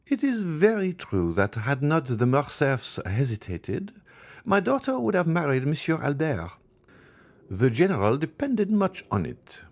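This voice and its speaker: A man's voice: on the high side, huge pitch swings, unhurried, voice pushed up, full character voice. A man putting on a suave, gossipy baroness. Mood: confiding. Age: middle-aged. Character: worldly middle-aged baroness, smooth and gossipy.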